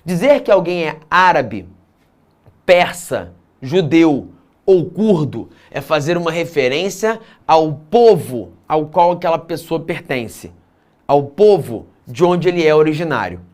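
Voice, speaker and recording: A man teaching an exam-prep geography lesson, mixing clear explanation with casual asides and frequent tag questions. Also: fairly high pitch, sing-song, unhurried, darkish tone.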